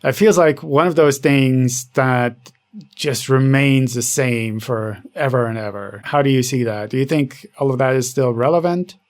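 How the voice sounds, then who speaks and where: A man's voice: mid-range voice, a little slow. A man co-hosting a podcast, chatting casually and putting questions to others. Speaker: podcast co-host asking questions. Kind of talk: casual chat.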